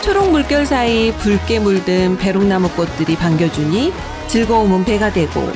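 A woman reading a scripted, poetic voice-over for a cycling travel video in a smooth, lyrical way. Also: medium pitch, expressive, moderate pace. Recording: voice-over with music underneath.

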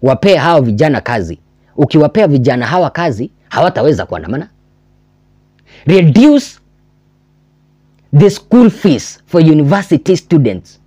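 A man's voice: fairly high pitch, very animated, moderate pace, long pauses, mellow, breathy edge, dry recording. A man in his twenties with a Kenyan accent, giving impassioned, emphatic commentary to camera and repeating phrases for stress. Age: 20s. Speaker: political commentary vlogger. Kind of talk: impassioned commentary to camera, mixing English and Swahili. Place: small indoor room with a backdrop, armchair.

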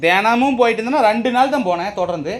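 A man's voice: high voice, lively intonation, very fast. Swearing man in a heated argument. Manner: defensive, swearing, rising to shouts. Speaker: husband.

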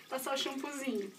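A woman's voice: sits high, distant mic, background noise. A woman, chatting casually in a home vlog and doting on her pet in baby talk while she bathes it. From Brazil. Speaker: pet owner vlogger. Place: indoors at home, bathing a pet.

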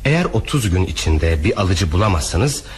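A man's voice: low-pitched, sing-song, normal speed. A man acting a formal, controlled and unbending banker in a crime radio drama. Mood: firm, formal. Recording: faintly noisy radio drama recording.

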